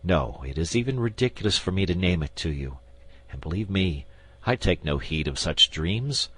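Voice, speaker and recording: A man's voice: deep voice, sing-song, normal speed, a bit bright, heavily acted. A man reading an audiobook, voicing a passionate, reckless nobleman with fervent delivery.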